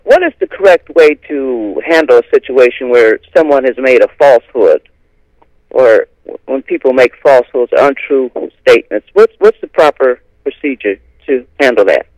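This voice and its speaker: A man's voice: medium pitch, no echo, poor audio. A man phoning in to a live radio show as a caller to put a question to the host. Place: phone call into a radio show.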